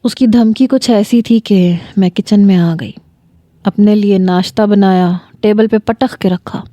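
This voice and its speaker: Mellow woman narrating a story. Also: medium pitch, steady tone, no echo. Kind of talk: scripted first-person story narration.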